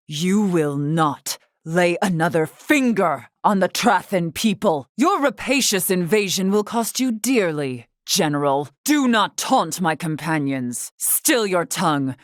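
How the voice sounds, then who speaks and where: A woman voicing a dignified, wise older tribal leader and warrior in a video game, with formal, archaic, measured diction. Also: on the low side, lively intonation, no echo, clean studio sound. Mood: stern. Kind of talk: scripted video game voice acting.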